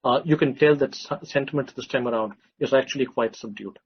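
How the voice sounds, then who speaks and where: A man's voice: medium pitch, a little fast, muffled recording, slight background noise. A man with an Indian accent presenting as an executive on an earnings call, emphatically restating his points. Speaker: retail executive. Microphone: conference call line.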